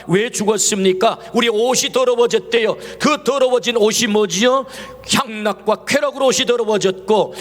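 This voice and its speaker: A man's voice: sits high, a bit bright. A male pastor preaching a Sunday sermon, asking the congregation question after question. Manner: asks the congregation many rhetorical questions. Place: church sanctuary. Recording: long church hall reverb.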